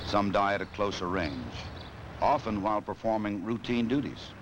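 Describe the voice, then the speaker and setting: Low-voiced American man, noisy old film narration. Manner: authoritative, measured, formal. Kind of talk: scripted 1960s instructional film narration.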